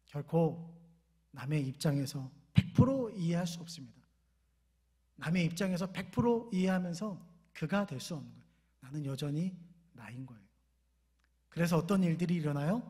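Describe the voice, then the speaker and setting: A man's voice: on the high side, breathy edge. A middle-aged male pastor giving a sermon in a conversational way, telling everyday family stories and asking the congregation to repeat after him. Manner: conversational preaching with everyday stories and call-and-response.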